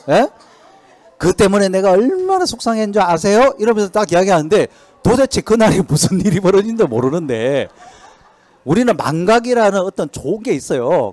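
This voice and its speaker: Animated man giving a motivational lecture. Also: a little high, no echo. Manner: lively, with frequent rhetorical questions to the audience. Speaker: sales seminar lecturer. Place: lecture hall at a training center.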